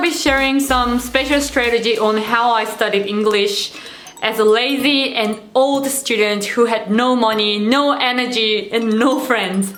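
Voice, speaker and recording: Music plays behind a woman with a Korean accent and audible room echo. Her pitch is high, with ordinary variation. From South Korea. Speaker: YouTuber. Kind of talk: casual vlog talk to camera.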